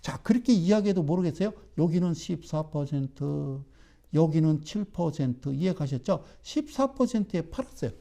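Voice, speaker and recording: Emphatic man lecturing with lively pitch. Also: brisk, hardly any pauses. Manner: emphatic, fires rhetorical questions at viewers. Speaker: stock trading lecturer. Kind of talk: broadcast trading lecture.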